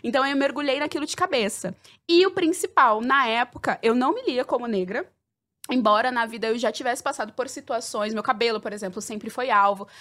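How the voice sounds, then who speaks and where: Fast, animated woman guest in her thirties. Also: fairly high pitch. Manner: animated, emphatic, jokey. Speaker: sociology researcher guest. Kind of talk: podcast panel conversation.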